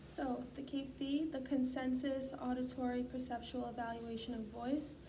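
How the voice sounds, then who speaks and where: A woman's voice: sits high, level tone, moderate pace, mellow. A woman giving formal, scripted instructions as a clinician running an assessment. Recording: distant mic, clearly noisy.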